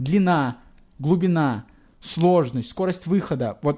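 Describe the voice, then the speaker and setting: On a very clean recording with a silent background, a man's dark, mellow voice shows ordinary pitch variation. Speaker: economics student and debater. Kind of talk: casual interview.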